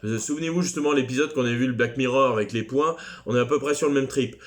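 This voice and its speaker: A man's voice: medium pitch, fast talker. A man teaching a recorded French class lesson, chatty and digressive, with self-deprecating asides.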